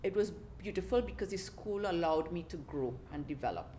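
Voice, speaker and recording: A middle-aged Trinidadian woman with a notably low voice tells her story in a relaxed, chatty way. She laughs often and restarts her sentences as she talks. Faint background noise sits under the voice. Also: brisk. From Trinidad and Tobago. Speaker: podcast guest. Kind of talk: casual interview storytelling.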